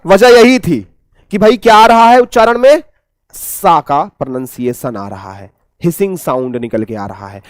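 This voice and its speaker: An Indian-accented English teacher with a fairly high voice leads an exam-prep lesson, repeatedly asking rhetorical questions and repeating the answers. The audio is close and dry, without room echo.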